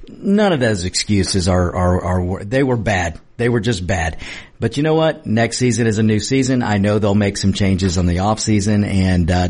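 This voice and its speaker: Low-voiced man hosting casual talk radio. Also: darkish tone. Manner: conversational, repeats phrases for emphasis, addresses listeners directly. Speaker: radio show host.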